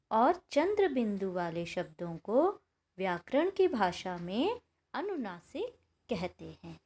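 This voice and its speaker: Slow, lively-voiced woman teaching grammar. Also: mid-range voice. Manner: slow and patient, sounding out words aloud. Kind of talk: explaining a class-six grammar lesson.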